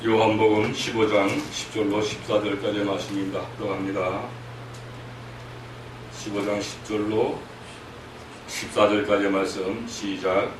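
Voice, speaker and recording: A missionary preacher delivers an earnest, emphatic sermon at a church prayer meeting, putting rhetorical questions to the congregation. His voice is lowish and level, at a moderate pace with long pauses. The recording picks him up from far off in an echoey church hall, with faint noise.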